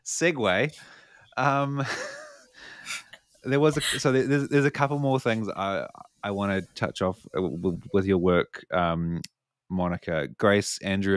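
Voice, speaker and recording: A man hosting a podcast, casual and relaxed, who rambles and hesitates as he steers toward his next question. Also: low-pitched, clear, resonant tone, no room sound. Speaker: podcast host.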